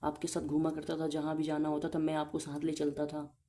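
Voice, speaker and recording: A man's voice: a little high, completely flat delivery, brisk, warm tone. A young man in an intimate relationship argument, speaking in a reproachful, insistent and repetitive way. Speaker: boyfriend in a relationship call.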